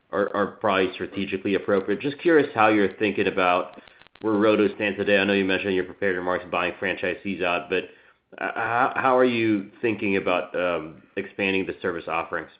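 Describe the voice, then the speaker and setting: Analyst guy asking a polite question on an earnings call, lowish voice, dull muffled line.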